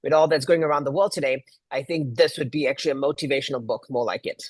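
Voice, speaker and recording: A man's voice: mid-range voice, steady tone, fast, dry recording. A middle-aged man from Malaysia, a guest event planner, talking casually with many ums and restarts. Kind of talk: casual interview talk.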